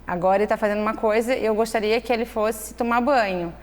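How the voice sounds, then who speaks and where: A woman's voice: on the high side, quick pace. Thoughtful woman explaining, echoey room. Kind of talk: conversational interview. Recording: echoey room with faint noise.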